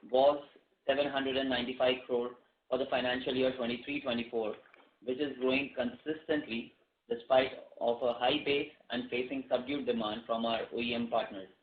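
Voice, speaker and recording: An Indian-accented man delivers a scripted business presentation as a company executive. His voice sits at an ordinary pitch. The sound is thin and phone-like, with noticeable room echo. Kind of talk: scripted earnings call presentation. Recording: roomy, band-limited conference call audio.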